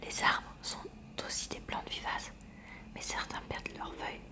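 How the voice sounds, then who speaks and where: Woman reading in a hushed library whisper. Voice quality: breathy, unvoiced library whisper. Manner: hushed, careful, measured reading. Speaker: ASMR reader. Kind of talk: soft ASMR read-aloud of a school science textbook.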